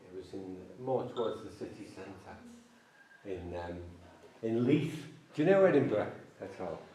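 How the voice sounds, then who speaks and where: With lively intonation and big swings in loudness, a man talks with long, frequent pauses amid audible room echo and noticeable background noise. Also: fairly low pitch for a man, moderate pace. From northern England, Cheshire. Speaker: Buddhist centre resident. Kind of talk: casual chat. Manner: halting.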